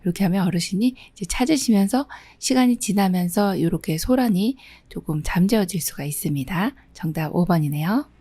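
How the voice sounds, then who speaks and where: Middle-aged woman teaching, walks through test answers, mellow voice, dry close mic. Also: lowish voice, lively intonation, fairly quick, few pauses, breathy edge, dry recording. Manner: reads questions aloud, then explains the answers patiently. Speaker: exam prep instructor. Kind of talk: exam question walkthrough lesson.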